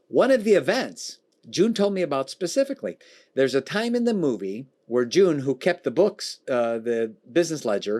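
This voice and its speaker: A man with an American accent speaks at a fairly quick pace, his pitch swinging very widely. The recording is very clean, with a silent background. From Chicago area, US Midwest. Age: 60s. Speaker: entrepreneur and business consultant. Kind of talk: interview storytelling. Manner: animated.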